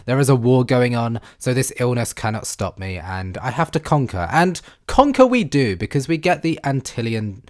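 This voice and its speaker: Male gaming YouTuber, congested nasal voice from a cold, lively chatty commentary. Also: medium pitch, moderate pace, few pauses. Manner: chatty, animated, self-narrating. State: congested, blocked nose from illness. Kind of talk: game commentary voice-over.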